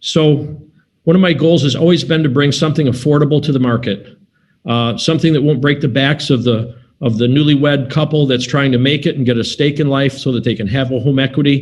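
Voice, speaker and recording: Somewhat breathy and fairly quick, the speech has fairly even intonation and an American accent. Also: man, fairly high pitch for a man. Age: 60s. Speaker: real estate developer. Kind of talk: applicant presentation at public meeting. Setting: video call. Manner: halting.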